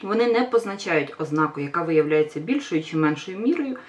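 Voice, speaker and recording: A woman's voice: low-pitched, expressive, a little fast. A woman teacher giving a grammar lesson, patient and reassuring, stressing each example word. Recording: voice a bit far from mic.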